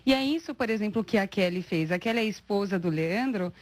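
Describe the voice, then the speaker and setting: A woman interviewing a patient and his wife, asking measured, caring questions. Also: mid-range voice, animated, a little mellow, no room sound. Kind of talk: TV health interview.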